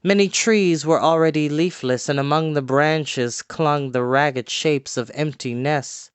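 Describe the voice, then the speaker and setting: A man reading a fantasy novel aloud as an expressive storyteller. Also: a little high, a little slow, clear, resonant tone, no room sound. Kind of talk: expressive audiobook-style narration. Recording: music playing behind the voice. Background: background music.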